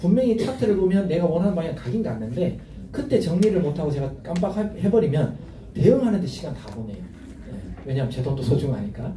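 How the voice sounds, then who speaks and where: A man's fairly high voice at a fairly quick pace, with very wide pitch swings and big swings in loudness, amid audible room echo and noticeable background noise. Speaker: trading instructor. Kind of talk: lecture. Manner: fast.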